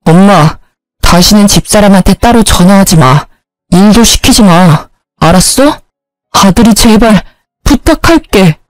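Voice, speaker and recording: A woman's voice: mid-range voice, expressive, measured pace, dry recording, soft background music, close to an everyday voice, low-quality recording. A woman voicing a young husband who whines and pleads in a storybook narration. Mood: pleading.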